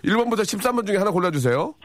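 A middle-aged man hosting a radio quiz, teasing callers and his co-host with quick jokes. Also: high-pitched, very animated, no echo. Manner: joking, teasing, quick asides.

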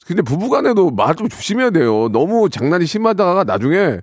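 A man's voice: sits high, very animated, a little fast, no echo, studio quality. A middle-aged man hosting a radio show, reading listener messages and joking about them with mock outrage in a casual chat.

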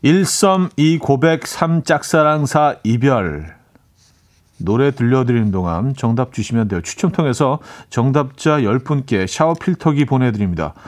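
A man's voice: mid-range voice, a little mellow. Guy dj on the radio, reads listener texts, laughs a lot, easygoing chat, studio mic. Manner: chatty, laughs often, mimics dialect playfully. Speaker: radio DJ host. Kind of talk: casual radio chat reading listener messages. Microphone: studio microphone.

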